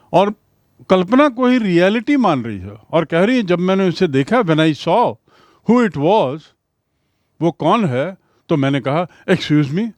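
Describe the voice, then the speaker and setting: A male English teacher giving a lesson in Hindi, reading English lines slowly and then explaining them word by word. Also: high voice, a little mellow, no echo.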